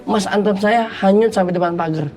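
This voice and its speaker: High-pitched man, insistent. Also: brisk, a little mellow, faint music behind. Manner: protesting, insistent, repeats himself. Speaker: comic panel guest playing a flood victim. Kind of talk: mock-serious comic debate.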